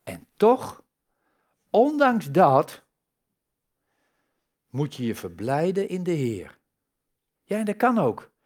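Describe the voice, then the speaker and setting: A man's voice: on the high side, wildly swooping pitch, takes it slowly, pauses often, darkish tone. A man giving a sermon in a conversational way, asking the congregation rhetorical questions and stressing key words. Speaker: preacher.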